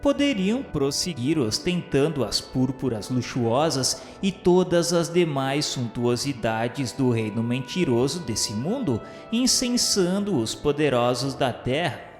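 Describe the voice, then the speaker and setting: Slow, solemn Brazilian man in long reverb. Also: mid-range voice, big pitch swings. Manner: formal, grandiloquent, reverent. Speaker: narrator. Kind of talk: solemn scripted narration of a religious radio novela. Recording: roomy long reverb, music behind. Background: music.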